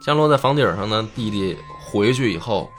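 A man telling a folk tale casually, full of jokes and asides. His voice sits mid-range but swings lively through its pitch. Faint music plays underneath. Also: brisk. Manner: chatty, joking, with asides. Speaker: storyteller. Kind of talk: casual comic storytelling.

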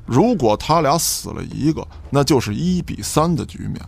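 A man's voice: mid-range voice, lively intonation, normal speed, vocal fry. A man narrating an audio drama from a script in a dramatic storytelling style.

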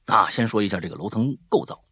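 A man with a rough, husky voice hosting and telling listener stories in a chatty way, prone to grumbling, scolding asides. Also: on the low side, quick pace, sharp tone, dry recording, clean studio sound. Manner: grumbling, scolding, exasperated rants. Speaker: host reading listener stories. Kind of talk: animated storytelling with chatty asides.

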